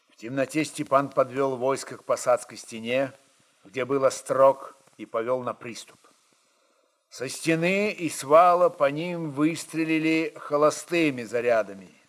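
A man's voice: medium pitch, a bit bright. A man narrating literary prose in a dramatic storytelling style.

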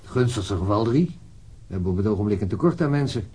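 An actor playing a frustrated local police detective in a radio drama, dry and matter-of-fact. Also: male voice, fairly low pitch, lively intonation, fast talker, warm tone, slight background noise, close to an everyday voice. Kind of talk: radio drama acting, naturalistic.

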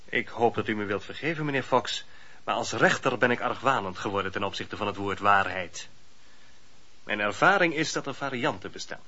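A courteous but sceptical judge in a radio play. He questions in a formal, probing way, with a forceful, slightly raspy voice of middling pitch. The sound is a little dull and lo-fi. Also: animated, normal speed. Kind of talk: radio drama acting.

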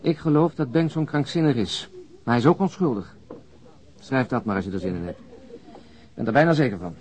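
A man's voice: medium pitch, lively intonation, a little fast, darkish tone, lightly acted, low-quality recording. An actor in a radio drama playing an overweight, jovial, world-weary policeman who talks bluntly and chattily with mild swearing. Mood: confiding. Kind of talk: naturalistic Dutch radio drama acting.

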